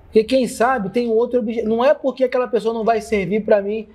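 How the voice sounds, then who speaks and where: Husky high-voiced man talking shop. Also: fairly even intonation, fairly quick, darkish tone. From born in Bahia, raised in Rio de Janeiro. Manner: emphatic, explains with repeated phrases. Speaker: chef and podcast co-host. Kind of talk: casual podcast chat.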